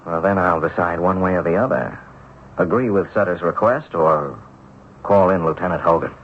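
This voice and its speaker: A man's voice: low-pitched, normal speed, lightly acted. An actor playing an earnest, stubborn ordinary man bewildered by the supernatural in a radio drama. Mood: determined. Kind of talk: 1970s radio drama acting. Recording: dull, faintly noisy old radio recording.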